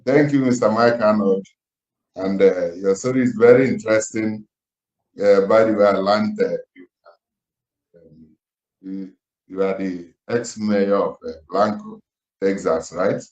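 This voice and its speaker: A man's voice: fairly low pitch, steady tone, measured pace, long pauses, a little mellow. A man speaking into a phone on a call, formal and hesitant. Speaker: guest questioner. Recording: dull echoey phone audio.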